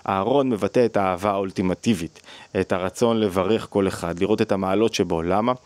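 A man's voice: sits low, steady tone, darkish tone, dry recording. Thoughtful male lecturer, dry sound. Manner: thoughtful, questioning, with frequent restarts. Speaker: psychology lecturer on the weekly Torah portion. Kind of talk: spoken teaching talk.

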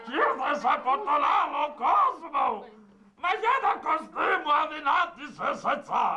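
A man's voice: very high-pitched, big pitch swings, lo-fi sound, over music, crowd noise. A man voicing a hysterical old mother in a comic dub, with a panicky, shrieking way of talking. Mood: startled. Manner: shrieking, panicky, calling for help.

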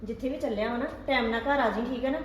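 Brief: actress as a quick, gently lecturing elder sister, roomy recording. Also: female voice, a little high, steady tone, far from the mic, close to an everyday voice. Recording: echoey room, faint noise.

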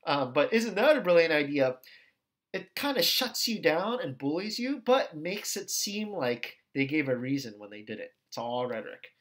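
A man's voice: on the high side, sing-song, moderate pace, few pauses, a bit bright. A man teaching an ethics lesson in a recorded lecture video, talking conversationally and checking in with "okay" and "right". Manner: acts out quoted questions with shifting tones.

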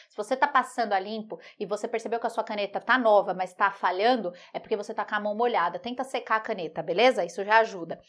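A young woman teaching an online writing lesson, lively and teasing, asking the viewer rhetorical questions. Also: mid-range voice.

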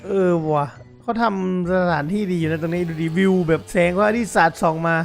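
A man giving excited game commentary to his viewers, exclaiming and laughing often. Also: sits high, fairly quick, gravelly, faint music behind. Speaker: gaming YouTuber.

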